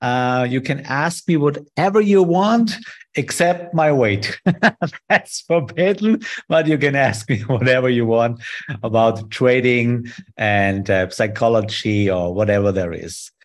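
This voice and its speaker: A man from Germany with a German accent, speaking English as a second language. He presents a live online trading session and talks friendly and haltingly through charts, with many fillers, over a video call. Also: medium pitch, animated.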